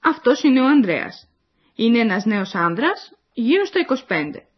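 A woman's voice: a little high, very animated, slightly rough. A woman reading the scripted narration of a language course, explaining and addressing the listeners. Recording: dull lo-fi recording.

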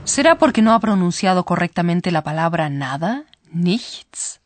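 A woman hosting a scripted language lesson, explaining clearly to listeners. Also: fairly low pitch, sing-song, brisk, dry recording. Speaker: host.

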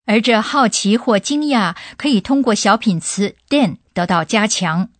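A woman's voice: medium pitch, animated, a little slow, no room sound. A woman hosting a radio language lesson, prompting the professor with questions and giving examples. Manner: inquisitive, prompts the expert with questions. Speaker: host.

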